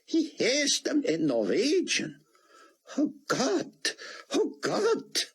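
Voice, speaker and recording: A man voicing an elderly rabbi scholar, speaking in a hushed, trembling voice that rises high in awe. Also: wildly swooping pitch, slow, vocal fry, slightly rough, heavily acted. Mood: awed. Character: elderly male rabbi scholar, awed and fervent.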